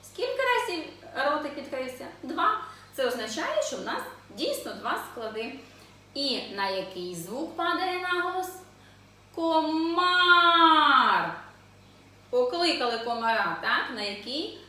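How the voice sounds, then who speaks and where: A woman teaching young children to read, sounding out syllables slowly and asking the class questions in a sing-song way. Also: sits high, very animated, sharp tone. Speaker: preschool teacher. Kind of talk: children's literacy lesson. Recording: echoey room, voice from a distance.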